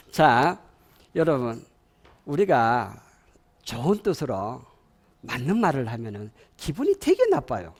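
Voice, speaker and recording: A man with a Gyeongsang accent giving an animated lecture to parents, often asking the audience questions and having them repeat lines after him. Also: medium pitch, takes it slowly, pauses often, breathy edge.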